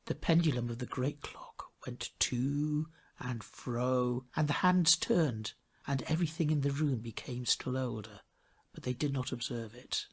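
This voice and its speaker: A man narrating a fairy tale from a script in an expressive, theatrical manner, often hushing his phrase endings. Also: mid-range voice, unhurried, slightly rough. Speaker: storybook narrator.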